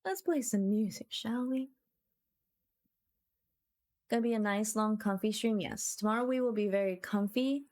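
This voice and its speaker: A woman hosting a livestream, chatting casually to her viewers in a gentle, appreciative way. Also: mid-range voice, normal speed, pauses often. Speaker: livestreamer host.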